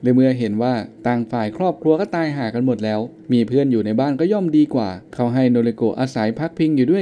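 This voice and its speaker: Male film-recap narrator, rapid delivery, deep mellow tone, casual slangy voice-over. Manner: chatty, slangy, polite particles.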